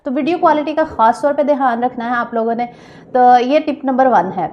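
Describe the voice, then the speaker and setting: A woman vlogger with a slightly hoarse throat, chatting casually to viewers in a small store room and repeating her points. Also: high voice, fairly quick, lo-fi sound. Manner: chatty, repeats phrases, addresses viewers directly. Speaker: vlogger giving channel tips. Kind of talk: casual vlog talk.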